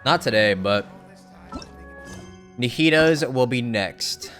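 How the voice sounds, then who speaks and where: A man's voice: medium pitch, expressive, slow, fairly bright tone, soft background music. A young man casually commenting on a game story during a live stream, rambling with hedges and the odd swear word.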